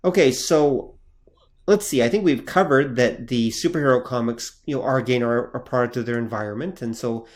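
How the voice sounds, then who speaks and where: A man co-hosting a casual podcast, talking at a middle pitch. He lays out his points in a measured, explanatory way. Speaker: podcast co-host. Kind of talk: casual chat.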